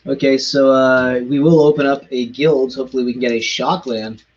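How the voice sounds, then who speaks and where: A man chatting casually on a live stream, rushing in quick bursts and stumbling over foreign words. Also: mid-range voice, steady tone, a little mellow, muffled recording, a little hiss or hum. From Canada.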